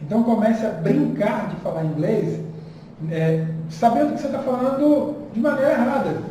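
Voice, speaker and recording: A man's voice: extremely high pitch, animated, moderate pace, dark tone. A man talking as a guest teacher in a casual conversation, earnest and encouraging. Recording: echoey room, distant mic, faint noise.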